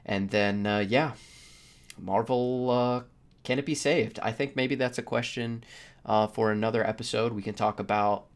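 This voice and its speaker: A man hosting a casual podcast, speaking in a halting, stop-start way. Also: medium pitch, steady tone. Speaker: podcast host.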